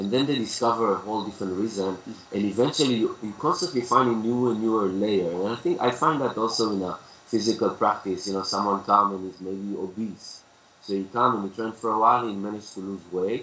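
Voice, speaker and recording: A man speaks very fast with an Israeli accent. His pitch is fairly low, with ordinary variation. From Israel, Tel Aviv. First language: Hebrew. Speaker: capoeira and hand balancing instructor. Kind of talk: casual interview. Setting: video call.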